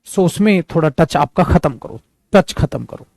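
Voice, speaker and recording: A man with an Indian accent teaching a spoken English lesson, explaining in Hindi and repeating English example sentences slowly while he encourages his students. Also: fairly high pitch, lively intonation, gravelly, a little mellow, no echo. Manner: encouraging, calls students "beta".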